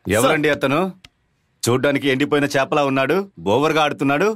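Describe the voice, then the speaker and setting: An actor playing a stern police officer who gives orders in a brisk, authoritative way. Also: male voice, medium pitch, fairly even intonation, fairly bright tone, no room sound, close to an everyday voice.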